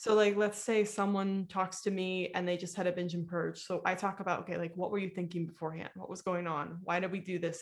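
With a Midwestern US accent, a woman of medium pitch speaks at a fairly quick pace in a monotone, flat intonation. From US Midwest. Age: 20s. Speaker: bulimia recovery coach and podcaster. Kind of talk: casual interview chat.

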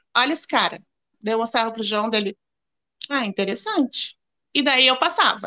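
Bright and sharp in tone, a woman projects a raised voice at a fairly quick pace with lively intonation. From Paraná, Brazil (Curitiba area). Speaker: mother of child with type 1 diabetes. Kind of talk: interview.

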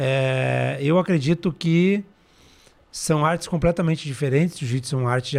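A man's fairly high voice at a moderate pace, an ordinary speaking voice. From Rio Grande do Sul, Brazil (Alegrete). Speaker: martial arts master. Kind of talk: podcast interview.

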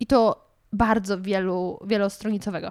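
In a dry, close recording with no echo, a woman talks at a fairly slow pace. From Lower Silesia, Poland (Gryfów). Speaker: podcast host. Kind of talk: casual interview chat.

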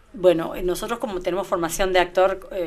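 This woman has an unremarkable speaking voice, pitched in the middle of her range and moving at a moderate pace. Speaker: comedic actress. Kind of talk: radio interview.

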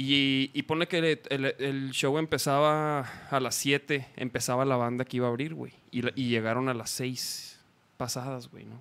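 A man of medium pitch talks in a monotone, flat intonation. His loudness swings widely, and the recording is very clean with a silent background. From Chihuahua, Mexico. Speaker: podcast host. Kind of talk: casual chat.

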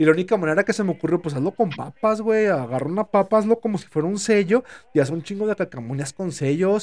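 A man speaks at a very fast pace in a high pitch, with lively intonation. The sound is dry and close, with no echo. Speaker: podcast host. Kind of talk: casual chat. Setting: live stream.

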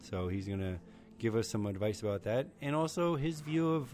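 Over music in the background, a man with an American accent makes very wide pitch swings. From US Northeast (New Jersey). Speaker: podcast host and homesteader. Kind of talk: casual interview.

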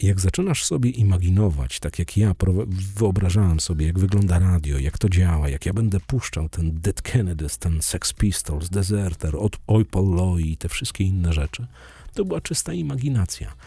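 A man's very deep, low voice, somewhat breathy with a dark, mellow tone, lively intonation and a moderate pace. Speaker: motivational podcaster and former radio presenter. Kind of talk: motivational monologue.

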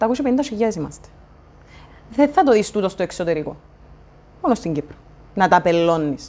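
Lively intonation and long, frequent pauses mark this speech in a Cypriot accent. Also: woman, medium pitch for a woman, moderate pace. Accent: Cypriot Greek. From Cyprus. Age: 20s. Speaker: lawyer and election candidate. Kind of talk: casual interview.

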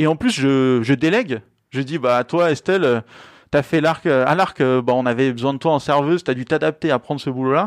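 An ordinary speaking voice from a man, fairly high in pitch with ordinary pitch variation, at a moderate pace, in a dry, close sound with no echo. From France, near Senlis (Oise). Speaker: restaurant owner. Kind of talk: casual interview.

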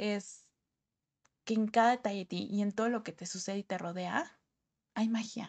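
Fairly even intonation at a fairly slow pace over a quiet background. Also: woman. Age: 20s. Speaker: podcast host. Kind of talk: monologue.

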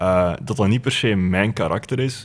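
A normal speaking voice at a moderate pace. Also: man. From Belgium, Antwerp. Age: 20s. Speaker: musician and graphic designer. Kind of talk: interview.

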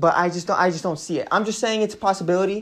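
In a slight Chicago accent, a man talks in an animated tone. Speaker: sports podcast host. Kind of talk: solo sports commentary podcast. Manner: animated, casual with many fillers.

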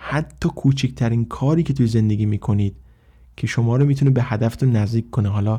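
A man's medium-pitched voice carries a dark, mellow tone and sounds somewhat breathy. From Iran. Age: 30s. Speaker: YouTuber and programmer. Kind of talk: podcast monologue.

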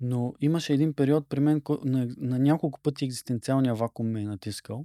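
This man has a medium pitch and fairly even intonation. He speaks at a moderate pace. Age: 30s. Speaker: podcast host. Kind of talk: casual chat.

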